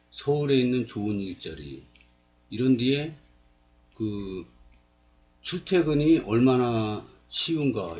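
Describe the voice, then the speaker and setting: A man's voice: fairly low pitch, highs cut off, a little hiss or hum. A man in his fifties talking casually on his own channel, explaining a local area while pointing things out on a map and asking himself rhetorical questions. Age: 50s. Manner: plain, steady, asks rhetorical questions. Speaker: video blogger.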